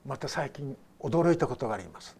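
A man's voice: mid-range voice, expressive, brisk, a little mellow, slight background noise. An older man, a pastor, delivering a sermon in a conversational, storytelling way with rhetorical questions.

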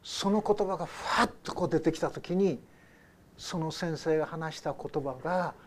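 An older male pastor preaching a sermon with a fairly high voice. He talks in a loose, conversational way, telling stories and putting questions to his listeners. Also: moderate pace, a little hiss or hum. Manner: conversational storytelling with rhetorical questions.

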